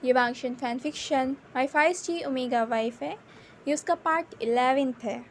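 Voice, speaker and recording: Female story narrator, high pitch, steady plain telling, faint noise behind. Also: moderate pace. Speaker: fan fiction narrator. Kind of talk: narrating her own fan fiction.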